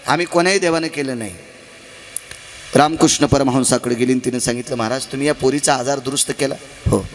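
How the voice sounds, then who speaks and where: At a fairly quick pace, a man gives a kirtan sermon, narrating stories with dramatic leaps in volume and pitch. He asks his audience rhetorical questions and now and then draws words out into a half-sung chant.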